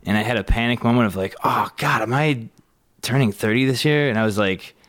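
A man's voice: medium pitch, fairly quick. A man in his thirties chatting as a podcast guest, telling stories and acting out his own panicked thoughts. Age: 30s. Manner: animated storytelling, acts out panicked inner voices. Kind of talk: casual chat.

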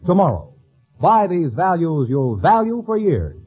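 A man's voice: on the high side, sing-song, a little slow, breathy edge. A man working as a radio announcer, reading in a polished, salesmanlike mid-century style. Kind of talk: 1950s radio announcing and sponsor copy. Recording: muffled vintage radio recording, faint music.

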